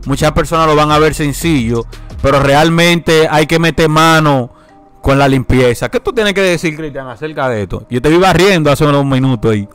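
Bromista barbero dominicano, voz algo aguda. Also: male voice, on the high side, moderate pace, a bit bright, clean tone, soft background music. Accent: Dominican Spanish. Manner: joking, teasing, laughs often. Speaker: podcast host and barber. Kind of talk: casual barbershop podcast chat.

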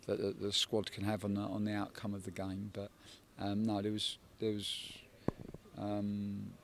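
A man in his forties, a football head coach, giving a measured post-match interview outdoors at a night stadium, often repeating words as he thinks. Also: fairly low pitch, completely flat delivery, gravelly, background noise. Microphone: handheld interviewer microphone.

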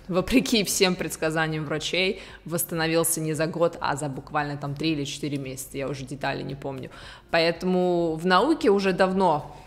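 A woman's voice: sits low, big-room sound. A woman in her twenties giving a casual, conversational explainer to camera, informally mixing English terms into her speech as a bilingual speaker. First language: Russian with English as a second native language. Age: 20s. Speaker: video blogger. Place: large open-plan living room indoors. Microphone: desktop condenser microphone.

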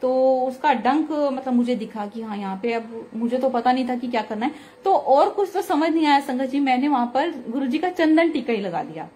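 A woman in her thirties with a slightly hoarse throat, telling a devotional testimony in an earnest, chatty way with many fillers, recorded at home on a phone close to her face. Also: high-pitched, lively intonation, normal speed, hardly any pauses, darkish tone, slight background noise. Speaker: satsang speaker. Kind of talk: devotional singing then testimony talk.

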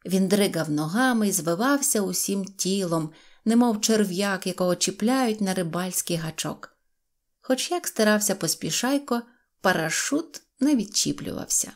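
A woman narrating a children's fairy tale as an audiobook, expressive and lively. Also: mid-range voice, normal speed. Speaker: storyteller.

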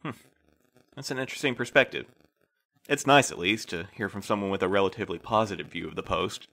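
Einen ruhigen, tiefen Postmeister. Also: male voice, on the low side. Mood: calm. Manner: gentle, measured, soothing. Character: calm patient middle-aged male postmaster interviewer. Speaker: postmaster interviewing new couriers. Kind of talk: audio drama acting.

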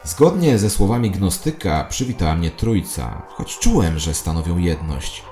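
A man's voice: low-pitched, very animated, normal speed, mellow, soft background music. A man playing a grandiose, paranoid conspiracy believer who solemnly narrates his own story in an audio drama. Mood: conspiratorial, solemn. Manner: solemn, theatrical, self-important. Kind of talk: dramatic first-person scripted narration.

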